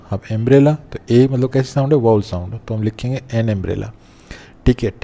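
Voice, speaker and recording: A young man teaches a grammar lesson in a patient, step-by-step way. His voice is mellow and relaxed at an ordinary middle pitch. He keeps pausing to check that his students are following. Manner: explains step by step, often checks with "theek hai na". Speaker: English teacher. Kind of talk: classroom-style grammar lesson.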